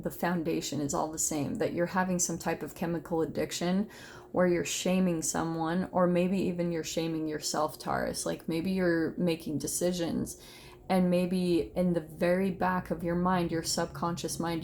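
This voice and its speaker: A woman's voice: fairly low pitch, darkish tone, a little hiss or hum. A woman giving a casual, unscripted tarot reading, talking informally and directly to her viewers with emphatic, conversational phrasing. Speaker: tarot reader, host of an online reading.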